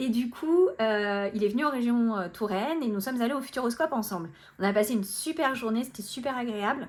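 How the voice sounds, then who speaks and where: On a very clean recording with a silent background, a woman talks at a fairly quick pace, fairly high in pitch with ordinary variation. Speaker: budget vlogger. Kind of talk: casual vlog talk. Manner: fast; hesitant, many fillers.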